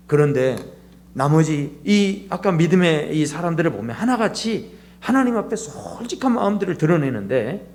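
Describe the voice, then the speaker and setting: Animated high-voiced male pastor preaching. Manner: animated preaching, acting out prayers in a low hushed voice. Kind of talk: sermon. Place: church sanctuary.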